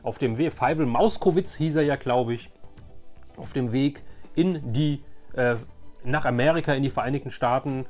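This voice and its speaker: A man in his forties hosts a casual nostalgic show-and-tell. He rambles at a medium pitch, hesitating and repeating himself, with faint music underneath. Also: normal speed, a little mellow. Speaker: YouTube host showing childhood collections.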